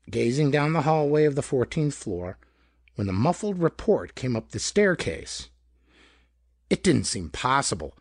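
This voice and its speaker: A man reading a pulp detective story aloud as scripted narration, with a slightly rough voice and dramatic, expressive delivery. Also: mid-range voice, dry recording, clean studio sound. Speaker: audiobook narrator.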